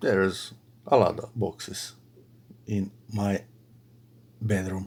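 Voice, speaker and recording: A man with a Slovenian accent, at a very slow pace. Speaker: crochet video creator. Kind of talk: casual chat to followers. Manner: halting, with filler words.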